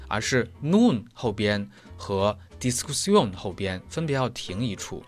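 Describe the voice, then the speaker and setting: A man teaching German pronunciation in a methodical lesson, laying out each point step by step with homely analogies. His voice sits at a middle pitch but moves with a lively, wide-ranging melody. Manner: explains step by step with everyday analogies. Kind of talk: explanatory lesson.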